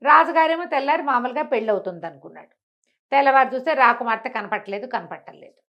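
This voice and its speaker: A woman telling a story in an animated, conversational way, as an informal oral storyteller. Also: high voice, fast, dull audio. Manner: conversational, acts out characters' dialogue.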